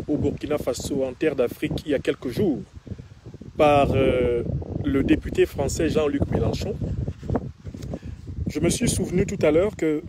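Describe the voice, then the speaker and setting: A man from Cameroon, a philosopher addressing his audience in a measured, deliberate way, and later reciting a poem with a chanted refrain. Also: on the high side, noisy background. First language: Bassa. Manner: measured and deliberate, with repeated phrases.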